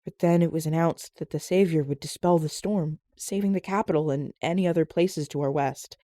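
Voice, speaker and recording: A woman voicing a polite, proper young guardsman in a fantasy audio drama, with courteous, measured phrasing. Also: deep voice, warm tone, dry recording, studio quality, natural voice. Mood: somber narrating.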